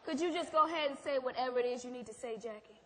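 A woman's voice: high voice, fast, pushed and bright, slight background noise. A woman acting in a stage play as an anxious, defensive wife who insistently brushes questions off. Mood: impatient. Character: Gloria, defensive anxious wife covering for her husband. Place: theatre stage. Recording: echoey theatre hall.

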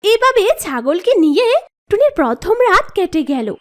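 A woman with a high voice narrates a scripted story for children. She speaks as the storyteller of a cartoon, with background music. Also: big pitch swings, moderate pace.

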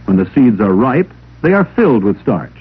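A man reading scripted instructional narration for a 1950s classroom film in a measured, didactic way. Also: mid-range voice, sing-song, slightly rough. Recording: old 16mm film soundtrack, narrow telephone-like band.

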